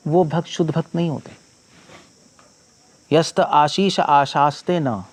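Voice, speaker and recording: A monk giving a scripture discourse, reciting verses slowly and then explaining them in conversational speech mixed with English phrases. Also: male voice, a little high, gravelly, a little mellow.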